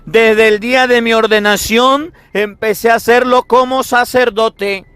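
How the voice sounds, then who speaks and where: A man's voice: sits high, fairly bright tone, smooth. A man in his thirties preaching as a Catholic priest, emphatic and repetitive, driving his points home with rhetorical questions. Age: 30s. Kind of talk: sermon on the Gospel.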